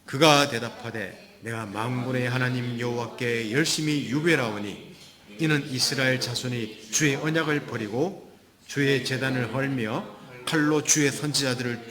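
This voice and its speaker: A man preaching a sermon as pastor, moving between loud emphasis and soft whispers and acting out quoted voices. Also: mid-range voice. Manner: acts out quoted voices of God and Elijah.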